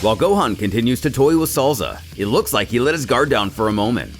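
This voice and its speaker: A man narrating a scripted story recap as channel host, telling it in an expressive way with casual asides. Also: mid-range voice, fast talker. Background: soft background music.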